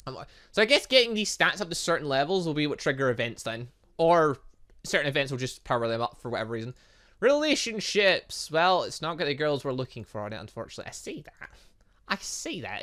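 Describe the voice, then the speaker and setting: Male let's player, higher register, very lively intonation, reads game text aloud with stumbles and muttered asides. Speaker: gaming YouTuber playing a visual novel.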